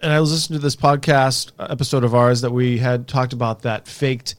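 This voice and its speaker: A man's voice: medium pitch, little pitch movement, a little fast, dry recording. A man co-hosting a podcast, chatting casually and reacting in a slangy, bro-ish way. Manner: slangy, uses dude and bro. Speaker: podcast co-host.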